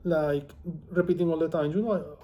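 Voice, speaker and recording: A man's voice: fairly high pitch, fairly even intonation, normal speed, muffled recording. A man from Venezuela with a Venezuelan Spanish accent, Spanish his first language, chatting casually to camera in a digressive, self-deprecating way. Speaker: author and vlogger.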